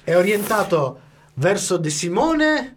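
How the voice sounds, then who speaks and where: High lively male co-host. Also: slow pace, slight background noise. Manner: joking, stumbling restarts. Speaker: radio co-host. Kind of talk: casual chat, comic improvisation.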